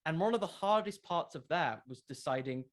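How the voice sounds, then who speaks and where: A man's voice: a little high, animated, a little fast. A man answering questions in a casual interview, thinking aloud and repeating words as he goes. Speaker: podcast creator, interview guest. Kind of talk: casual interview chat about wrestling fiction.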